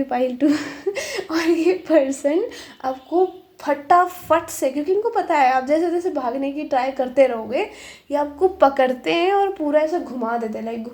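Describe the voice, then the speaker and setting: Giggly high-voiced woman storyteller. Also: a little mellow. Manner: chatty, playful, giggly storytelling with acted-out dialogue. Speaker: tarot reader. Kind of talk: casual pick-a-pile tarot reading.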